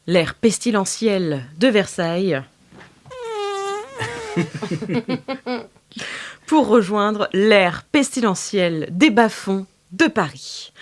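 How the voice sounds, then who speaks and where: A woman game master narrating improvised audio fiction in a casual, jokey way, searching for words as she goes. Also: mid-range voice.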